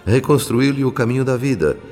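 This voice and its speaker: A man with a Brazilian accent giving formal, solemn, measured literary narration for a radio drama. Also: mid-range voice, expressive, darkish tone. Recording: long reverb, music behind.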